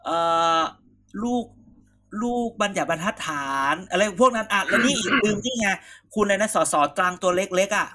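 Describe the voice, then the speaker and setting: Brief: male co-host, high bright voice, teasing rough banter. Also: moderate pace, a little hiss or hum. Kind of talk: casual political chat.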